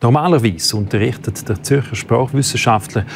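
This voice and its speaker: Swiss German male reporter, medium pitch, broadcast narration, faint background noise. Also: moderate pace, creaky.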